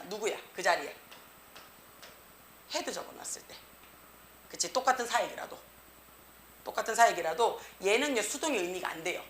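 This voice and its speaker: Female cram-school teacher, bright and forceful, frequent check-in questions, roomy classroom sound. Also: mid-range voice, a little hiss or hum. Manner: tag question after nearly every phrase, lively reading. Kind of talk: classroom grammar lecture. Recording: echoey room.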